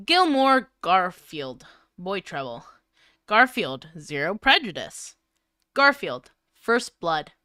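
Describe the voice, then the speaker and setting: A woman's voice: fairly low pitch, very animated, slow pace, pushed and bright, clear, resonant tone, dry recording, clean studio sound. A woman co-hosting a stream with casual banter and reactions. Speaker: streamer co-host.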